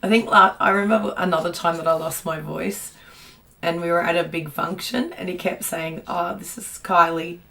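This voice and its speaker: A hoarse woman chats on a craft livestream, reading out viewer comments between laughs. Her voice sits low and gravelly, and she sounds a little far from the mic. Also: fairly even intonation, normal speed, sharp tone. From Australia. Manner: chatty, reads viewer comments aloud, laughs often. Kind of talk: casual livestream chat.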